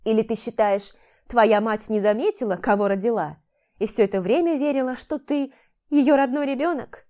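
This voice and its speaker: A wise male talking cat from a fantasy storybook, read by a woman, calm and lecturing with a dry, teasing edge. The voice sits mellow and dark in tone, never rushed, patiently explaining hard truths. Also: a little high, natural voice. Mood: sardonic. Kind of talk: audiobook character voicing.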